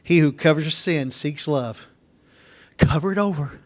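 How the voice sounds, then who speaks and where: A man's voice: a little high, moderate pace. A man teaching a Bible lesson verse by verse, folksy and earnest, repeating his key points.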